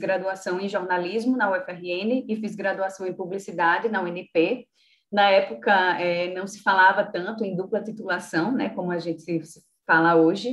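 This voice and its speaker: With a northeastern Brazilian accent, a woman speaks at a moderate pace and medium pitch with fairly even intonation. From Brazil, Northeast (Natal). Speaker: professor, research group leader. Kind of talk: academic presentation.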